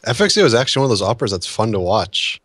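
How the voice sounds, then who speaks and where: A man co-commentating an esports match, offering relaxed, conversational analysis on a headset mic. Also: fairly low pitch, very fast, husky.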